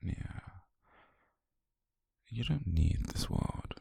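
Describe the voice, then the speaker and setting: A British man playing a calm, possessive, obsessed doctor in an intimate ASMR roleplay, speaking slowly and haltingly in a husky, breathy near-whisper. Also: low voice, dry recording, clean studio sound, heavily acted. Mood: obsessive, intimate. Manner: slow, halting, intimate delivery.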